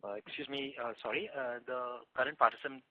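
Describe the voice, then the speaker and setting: A man's voice: mid-range voice, fairly even intonation, quick pace. A man moderating formally as the operator of a conference call, on a faint phone connection. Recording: faint, thin narrowband phone line.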